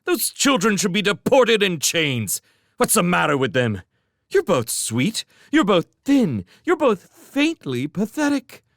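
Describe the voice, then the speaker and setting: A man's voice: fairly low pitch, sing-song, moderate pace, a bit bright, no room sound, studio quality. A man reading aloud, voicing a proud young male apprentice who talks stiffly and guardedly and flares into outrage. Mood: outraged.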